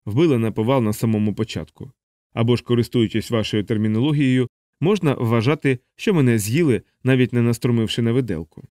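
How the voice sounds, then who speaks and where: A man's voice: mid-range voice, fairly quick, dark tone, no room sound, studio quality, close to an everyday voice. A man voicing a frightened, sarcastic human traveler in an audiobook. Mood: anxious. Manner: sarcastic, pleading.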